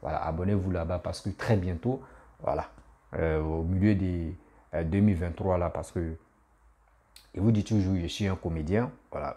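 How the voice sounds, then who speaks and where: Male comedian-vlogger, deep warm voice, animated and repetitive. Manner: animated, repetitive, laughs at himself. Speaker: comedian and YouTuber. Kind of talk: casual political commentary vlog.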